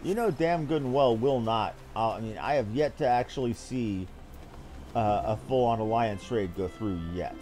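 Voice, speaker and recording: A man's voice: mid-range voice, normal speed, mellow. A man giving casual, blunt live commentary as he plays a game, talking in an offhand, salty way. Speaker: game streamer.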